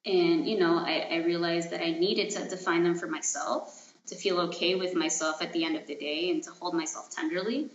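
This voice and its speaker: This late-twenties podcast guest from Chile, an artist and activist, talks briskly with few pauses in a mid-range voice. The answers are reflective and searching, yet often hesitant, tailing off unfinished. Captured in an echoey room, the audio sounds dull, roomy and lo-fi.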